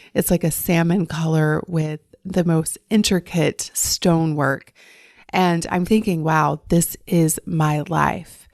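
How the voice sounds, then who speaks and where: A woman hosting her own life coaching podcast, speaking in a warm, effusive and encouraging way. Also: lowish voice, no room sound, clean studio sound. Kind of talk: podcast monologue. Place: recorded while traveling abroad.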